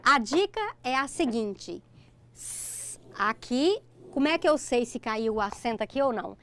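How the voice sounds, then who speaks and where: On the high side and expressive, her measured voice carries a Brazilian Portuguese accent. She's a middle-aged Brazilian woman teaching a recorded online grammar lesson, explaining step by step and checking in with "ok?" throughout.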